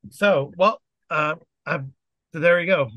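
A man's voice: on the high side, a little slow, a bit bright, no room sound, dull audio. A man hosting and running a tabletop game, chatting casually over a video call, rambling with lots of fillers. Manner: rambling, with many fillers and restarts. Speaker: game master and podcast host. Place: home setup on a video call.

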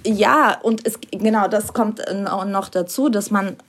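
A woman's voice: mid-range voice, a little slow, husky. A woman co-hosting a podcast, speaking casually with frequent hesitations and restarts. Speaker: podcast co-host. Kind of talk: casual conversational interview.

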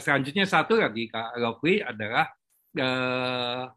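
A man's voice: medium pitch, pushed and bright. A man taking part in a panel discussion, speaking in a lecturing tone and mixing in English terms. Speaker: panel participant. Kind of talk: discussion talk.

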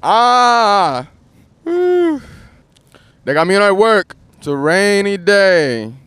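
A man's voice: sits high, big pitch swings, very slow, fairly bright tone, smooth, dry recording. A man with a Puerto Rican Spanish accent hosting a podcast. He talks in a defiant, repetitive solo monologue and swears often. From Puerto Rico. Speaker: podcast host.

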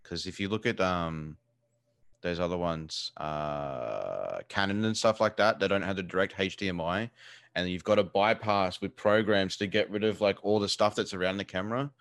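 Deep-voiced, blunt Australian man. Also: moderate pace, a bit bright, no room sound. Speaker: live streamer, interview guest. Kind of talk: casual chat. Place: living room.

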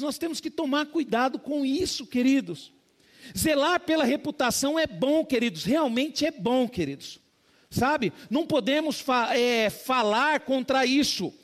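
A pastor delivers a casual, conversational sermon. His voice sits unusually high for a man. He keeps addressing the congregation as "dear ones". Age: adult with a young child.

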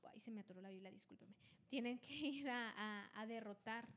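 A woman co-hosting a podcast, retelling a Bible story in casual chat with lively delivery and frequent restarts. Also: fairly high pitch, moderate pace. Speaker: podcast co-host.

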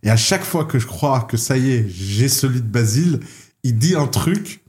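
A man's voice: mid-range voice, lively intonation, moderate pace, darkish tone. A man on a podcast, chatting in a teasing, incredulous and playful way. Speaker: podcast guest. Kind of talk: casual podcast chat.

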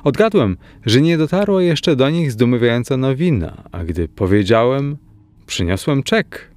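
A man's voice: medium pitch, animated, moderate pace, darkish tone. Man reading a first-person story. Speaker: narrator. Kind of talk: audiobook reading.

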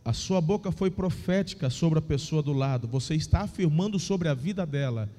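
A man's voice: on the high side, animated, moderate pace, mellow. A man with a Brazilian accent preaching a charismatic church sermon, exhorting the congregation with informal asides. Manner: exhorting, prompting the congregation to repeat and respond. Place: church hall during a service. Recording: echoey hall with music behind.

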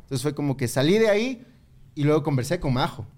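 A man's voice: fairly high pitch, quick pace. A young man, a comedian telling a story in casual talk and acting out other people's lines. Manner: animated, acts out others in quoted voices. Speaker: comedian guest.

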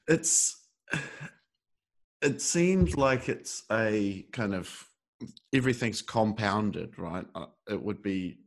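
Tentative man with a lowish voice. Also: expressive, slow pace, creaky, long pauses. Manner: tentative, hedging, meandering sentences. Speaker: interviewer. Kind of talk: casual reflective conversation.

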